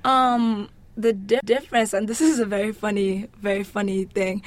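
A young adult woman from Lagos with a Nigerian accent, answering interview questions in a chatty, humorous, expressive way. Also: mid-range voice, normal speed, dry recording. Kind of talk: casual interview chat.

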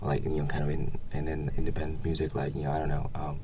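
A young man from Vietnam with a Vietnamese accent, answering interview questions casually in a hesitant, halting way. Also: rumbling low, monotone, noisy background.

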